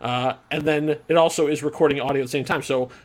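A man's voice: on the high side, steady tone, quick pace. A man co-hosting a podcast, talking casually and rambling with lots of restarts and fillers. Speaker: podcast co-host. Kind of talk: casual chat. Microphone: own remote podcast mic.

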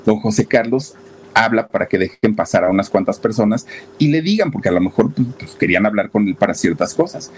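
A man telling a story in a casual, animated way, talking straight to his listeners. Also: lowish voice, a little fast, slight background noise. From Mexico. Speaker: storyteller host.

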